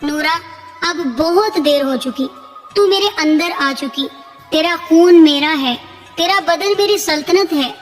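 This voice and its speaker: A woman's voice: high-pitched, soft background music, close to an everyday voice. A woman voicing a possessive, menacing male jinn chieftain in a spoken story, sweet-talking or harsh by turns. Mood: furious. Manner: sweet-talking, turning to angry shouts.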